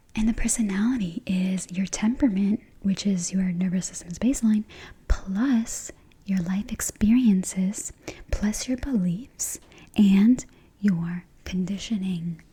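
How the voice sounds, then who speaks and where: The speaker is soft-spoken with a gentle tone, talking at a fairly slow pace. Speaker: ASMR creator. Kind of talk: soft-spoken ASMR talk on emotional wellbeing. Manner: soft-spoken, gentle.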